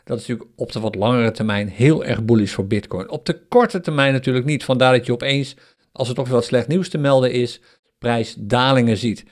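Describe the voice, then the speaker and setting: A man hosting a solo crypto podcast in a chatty style, often pausing with fillers. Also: medium pitch. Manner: chatty, hesitant with frequent fillers. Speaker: podcast host.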